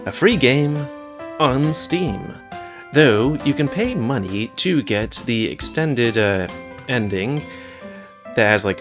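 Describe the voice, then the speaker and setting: A video host giving casual, rambling commentary over gameplay, often searching for words. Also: medium pitch. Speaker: video host reviewing games.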